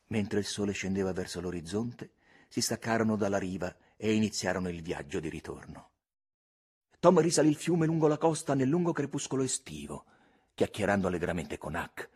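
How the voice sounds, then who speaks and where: Give me a man narrating an audiobook, expressive, with a husky voice. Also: on the low side. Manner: expressive, varied storytelling. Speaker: audiobook reader.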